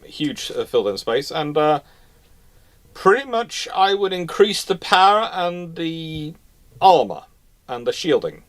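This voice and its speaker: A man hosting a casual, analytical discussion, building his points haltingly and repeating phrases as he goes. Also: medium pitch. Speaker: host of a naval history question show.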